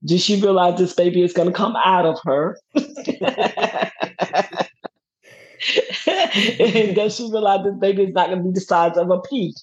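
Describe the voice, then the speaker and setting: A middle-aged woman telling a personal story as a guest, lively and laughing often as she acts out what others said. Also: fairly low pitch, a little slow, pauses often, husky. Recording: dull lo-fi recording.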